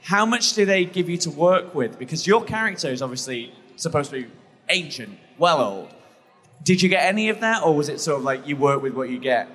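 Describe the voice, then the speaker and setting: A man's voice: on the high side, animated, a little fast, a bit bright. A man hosting a live panel interview, playful and joking as he puts questions to his guest. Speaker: host. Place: convention hall stage. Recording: long hall reverb.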